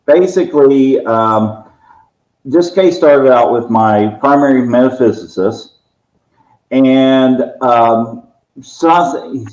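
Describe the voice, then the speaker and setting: A man speaks from a clearly echoey room as an interview guest. He explains matters as the leader of a team, in a measured way with frequent pauses. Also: mid-range voice, darkish tone. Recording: roomy, echoing sound.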